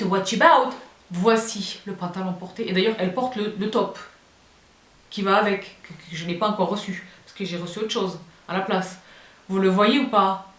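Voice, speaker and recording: French woman, young, fashion vlogger, chatty, talks to her viewers, mid pitch, roomy sound, off-mic. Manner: chatty and expressive, addresses viewers as girls. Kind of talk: casual haul chat to viewers. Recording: roomy, a bit far from the mic.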